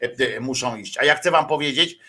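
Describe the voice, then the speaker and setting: A man's voice: mid-range voice, a little fast, sharp tone, slightly rough. A man giving casual, rambling live-stream commentary, with lots of hesitations and crude slangy asides.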